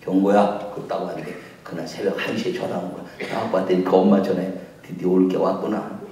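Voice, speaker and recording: A man preaching at a revival meeting as pastor, acting out conversations and breaking into shouts. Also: low voice, fast. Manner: animated, shouts and acts out dialogue. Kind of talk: revival sermon. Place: large church revival meeting. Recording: echoey hall, mic from far off.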